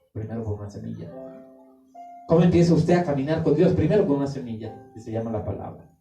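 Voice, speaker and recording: A man's voice: a little high, dark tone. A man preaching a sermon in an emphatic way, acting out the prayers he quotes. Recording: roomy echo, distant mic, faint music.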